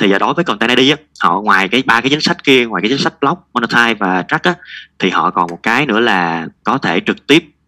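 Speaking at a very fast pace, a man with a medium-pitched voice and a bright, sharp tone makes very wide pitch swings, heard in a dry, close sound with no echo. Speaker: systems team staff at a creator network. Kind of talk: online workshop presentation. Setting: online workshop with screen sharing.

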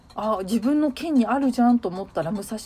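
A woman speaks with lively intonation. Noticeable background noise runs behind her. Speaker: handmade crafter and radio-style show host. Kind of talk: casual live-stream chat with listeners. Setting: Twitter Spaces live audio stream. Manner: stumbling over words, slightly odd pronunciation; frequent laughing, chatty.

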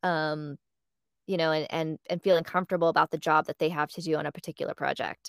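On a very clean recording with a silent background, a woman with an American accent and a fairly low pitch sounds dry and close with no echo. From Texas, Victoria. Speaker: development executive. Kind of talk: casual interview.

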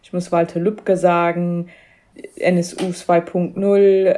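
Her voice is fairly low and dark, with a mellow tone. The woman speaks with monotone, flat intonation. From England, London. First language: English (speaking German). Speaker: book editor and counselor for victims of racist violence. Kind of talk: interview conversation.

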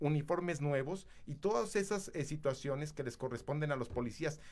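A normal speaking voice from a man, fairly high-pitched, moderate in pace, with ordinary pitch variation. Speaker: president of a merchants' association. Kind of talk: radio interview.

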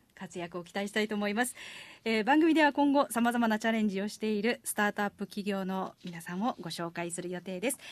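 With a normal speaking voice, a woman talks at a fairly quick pace and a medium pitch. Her pitch variation is ordinary, but her loudness swings widely. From Okayama, Japan (Kamogata). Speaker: radio host. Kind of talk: interview. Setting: studio. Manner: formal.

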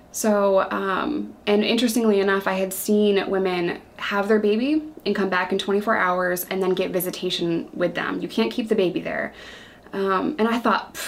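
Speaking in an ordinary speaking voice with an American accent, a woman talks at a medium pitch and moderate pace with ordinary pitch variation. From upstate New York. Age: 30s. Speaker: former prisoner and YouTuber. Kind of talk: interview testimony.

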